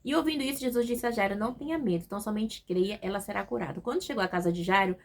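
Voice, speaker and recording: A woman's voice: medium pitch, fast. A woman with a Brazilian Portuguese accent giving a casual devotional Bible study, reading scripture aloud and checking in with her listeners in a conversational way. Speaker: Bible teacher.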